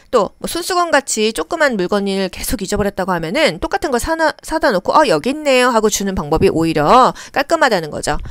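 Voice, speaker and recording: A woman's voice: on the high side, no room sound, studio quality. A woman lecturer teaching exam questions for care worker training, acting out the quoted lines of patients as she goes. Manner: lively, acts out patient quotes.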